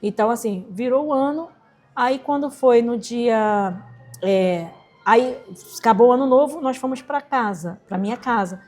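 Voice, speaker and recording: A woman from Rocinha in Rio de Janeiro, Brazil, speaks as an interview guest; she is an entrepreneur and singer telling an emotional personal story. Her voice sits a little high and she takes her time, animatedly acting out the voices she quotes, with soft music playing in the background.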